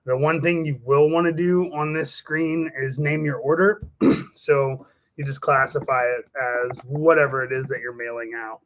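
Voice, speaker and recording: A man casually walking through a software task step by step in an informal, explanatory way. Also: mid-range voice, fairly even intonation, moderate pace, few pauses, slight background noise, low-quality recording. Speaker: software demonstrator.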